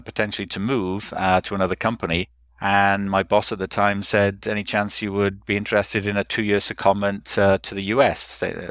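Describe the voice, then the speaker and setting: A Welsh man in his fifties talks through his career as a podcast guest, pausing often on fillers. His voice sits low and resonant. The recording is close and dry, with little room sound. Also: fairly bright tone, clean tone, no echo. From South Wales. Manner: hesitant, many fillers. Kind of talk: conversational interview.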